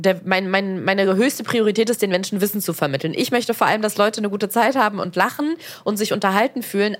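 A woman in her thirties speaks as a podcast guest, with a voice of ordinary middle pitch. She talks in a chatty, reflective way and laughs easily between thoughts. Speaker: podcast guest, presenter and comedian. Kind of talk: casual interview talk.

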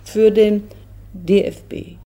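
A woman's voice: medium pitch, little pitch movement, takes it slowly, warm tone. An older woman recollecting in a spontaneous interview, speaking emphatically and with indignation. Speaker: interviewed former footballer.

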